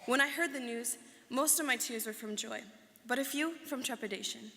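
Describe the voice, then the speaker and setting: In a live dramatic reading held in a reverberant hall, a young adult woman, a student actor, offers a rehearsed first-person account of a life in an earnest, recollecting mood. She speaks at normal speed, her voice on the high side and a bit bright.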